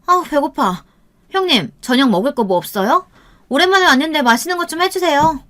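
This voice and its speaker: Woman acting shrill, brazen sister-in-law. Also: moderate pace, fairly bright tone. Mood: brazen complaining. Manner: shrill, scolding, sarcastic. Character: brazen, haughty, scornful younger sister-in-law. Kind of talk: audio storybook drama.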